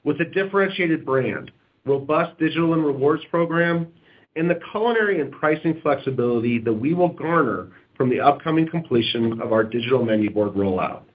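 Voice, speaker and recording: A man with a mid-pitched voice speaks as a company executive on an investor call. His delivery is measured and corporate, and the audio is dull and slightly lo-fi. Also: expressive. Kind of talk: prepared remarks and corporate question answering.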